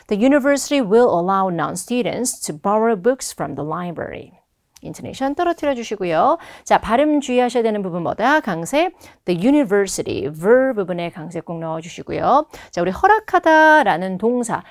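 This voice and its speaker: A woman giving a TOEFL speaking lesson, talking straight to her students and slowing down to model English phrases. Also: mid-range voice, a little mellow, dry recording, studio quality. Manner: instructive, addresses students directly with frequent "자". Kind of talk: online test-prep lecture.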